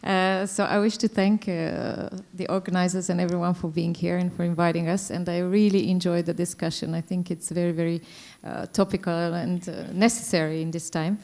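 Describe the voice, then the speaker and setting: A woman's voice: fairly low pitch, level tone, brisk, few pauses, a little mellow. A woman speaking on a discussion panel, thoughtful and hesitant, with many fillers. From Croatia. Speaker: panelist, dance company director.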